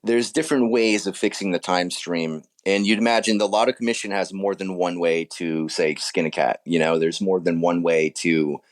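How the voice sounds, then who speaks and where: A man with a deep, low-pitched voice talks as a guest author in an interview. He explains things casually, often rewording himself halfway through a thought. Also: moderate pace, few pauses.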